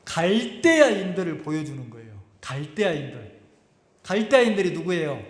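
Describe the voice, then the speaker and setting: A man preaching in a church, his voice sitting high as he fires question after question at the pews and stretches key words out slowly. Long reverb from the hall rings behind every phrase. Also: very animated. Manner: asks the congregation many questions, stretches words out for emphasis. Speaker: pastor. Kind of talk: sermon. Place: church sanctuary.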